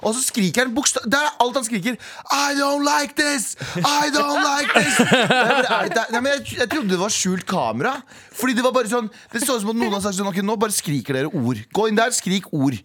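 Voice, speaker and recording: Animated young man telling a story. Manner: animated storyteller, acts out people with big pitch jumps. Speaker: radio show host. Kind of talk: casual chat. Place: radio studio.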